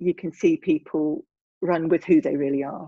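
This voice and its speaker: Heard in a dry, close sound with no echo, a woman speaks in a fairly low voice with a British accent and ordinary pitch variation. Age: 60s. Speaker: neurodiversity coach. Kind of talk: interview conversation. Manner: halting.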